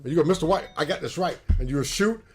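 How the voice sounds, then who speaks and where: This man co-hosts a casual livestream, sharing stories full of repeated words. His slightly high voice moves fast and has a breathy edge.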